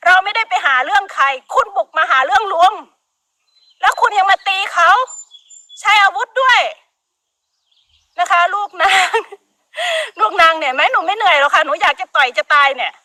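Scolding high-voiced Isan woman. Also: sing-song, normal speed, bright, forceful tone, no room sound. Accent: Northeastern Thai (Isan). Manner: scolding, emphatic, frequent laughter, Isan dialect words. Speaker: live-stream host. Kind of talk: heated casual live-stream rant.

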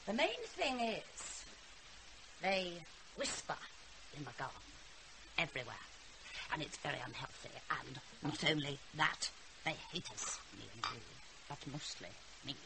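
A woman's voice: deep voice, sing-song, measured pace, gravelly, long pauses, exaggerated voice. An actress playing a dry, sarcastic, exasperated British mother in a naturalistic radio drama. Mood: anxious, exasperated. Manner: dry, sardonic. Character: sarcastic, tipsy schoolteacher mother, anxious and exasperated. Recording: noisy, hissy radio recording.

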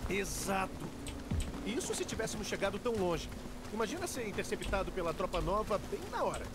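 A man's voice: sits high, animated, brisk, over loud music. A man with a Brazilian accent playing a cocky, easygoing young space-outlaw leader in a video game, breezy and wisecracking. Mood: wry, upbeat. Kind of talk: dubbed video game dialogue.

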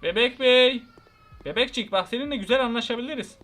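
A young man from Turkey giving chatty let's-play commentary on a horror game, talking to his viewers and crying out loudly at the scares. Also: very high-pitched, a little fast, faint music behind. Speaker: gaming channel host.

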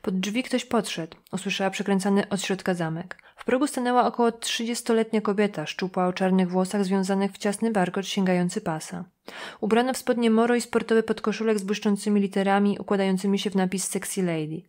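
A woman narrating an audiobook in an even, measured reading. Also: mid-range voice. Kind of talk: scripted narration.

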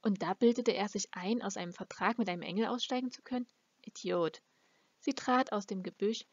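A woman's voice: mid-range voice, a little mellow, dry recording. A woman reading a fantasy novel aloud as an amateur audiobook narrator. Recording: dull, lo-fi close recording.

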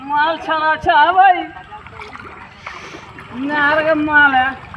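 A man calling out loud, terse remarks beside a pond while fishing. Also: extremely high pitch, steady tone, takes it slowly, dull audio. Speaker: fishing companion. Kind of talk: casual chat. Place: outdoors by a pond. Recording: noisy outdoor phone recording.

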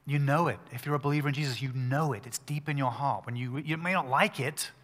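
Bright-voiced male pastor at a pulpit microphone. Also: mid-range voice, big-room sound. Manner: conversational, emphatic preaching with quick restarts. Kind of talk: sermon.

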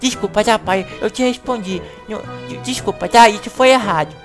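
A woman hosting a gaming channel, acting in a comedic video-game animation with an excitable, whiny way of talking. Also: mid-range voice, soft background music. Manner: excitable, whiny, fast bursts.

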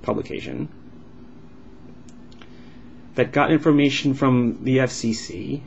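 A man's voice: mid-range voice, steady tone, slow. Man interpreting aloud, dull noisy recording. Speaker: sign language interpreter voicing a signed vlog. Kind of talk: live interpretation of an explanatory vlog. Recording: dull lo-fi sound with clear background noise.

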